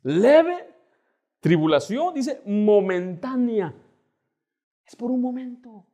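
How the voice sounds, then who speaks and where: A man preaching a Baptist sermon as pastor, animated and conversational, acting out the people he quotes. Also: very high voice, takes it slowly.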